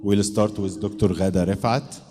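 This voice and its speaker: A man with a very low, slightly dark voice speaks as a session chairperson. He makes formal introductions to the hall. Faint background noise sits behind him. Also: fairly even intonation, moderate pace. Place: conference hall.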